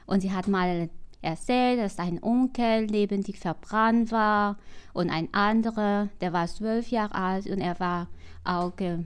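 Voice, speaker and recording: Slow Vietnamese-accented woman recalling her past. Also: medium pitch, clean tone. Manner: slow, halting, non-native German with many restarts. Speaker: interviewee. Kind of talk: recounting her life story.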